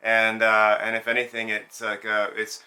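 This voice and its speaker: Low bright-toned Zambian-born man, set back from the mic. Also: monotone, moderate pace, distant mic. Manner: reflective, searching, many restarts. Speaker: burlesque and cabaret performer. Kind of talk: documentary interview.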